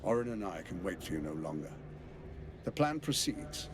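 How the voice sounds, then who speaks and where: Smug scheming tyrant lord, hugely expressive. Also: male voice, deep voice, moderate pace. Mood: cool threat. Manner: sardonic, polished, goading. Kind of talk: video game villain acting. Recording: loud background noise.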